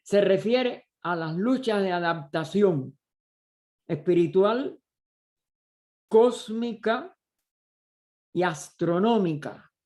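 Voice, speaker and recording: A man leading a study group, explaining a text slowly and deliberately, often pausing and restarting as he searches for words. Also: high voice, animated, darkish tone. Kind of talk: slow explanatory study lecture.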